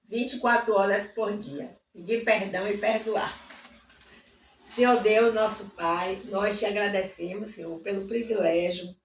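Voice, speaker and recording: Hosting a Bible reading, a woman with a mid-range voice and fairly even intonation recites hymn lyrics with fervent asides, then prays, unhurried. The mic is distant in a roomy space, with room echo, faint ambience and slight background noise.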